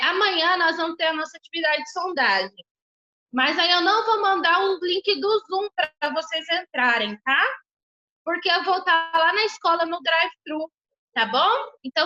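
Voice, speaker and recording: High bright woman teaching online. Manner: ends phrases with checking tags. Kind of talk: online class lecture. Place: home room. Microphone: computer on video call. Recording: echoey room, slightly dull sound.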